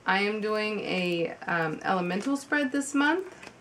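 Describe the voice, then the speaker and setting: A woman with a slight cold reading tarot at home in a chatty, halting way, with many ums and restarts. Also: medium pitch, lively intonation, fairly bright tone, a little hiss or hum. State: has a cold, slightly congested. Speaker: tarot reader. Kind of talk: casual video tarot reading.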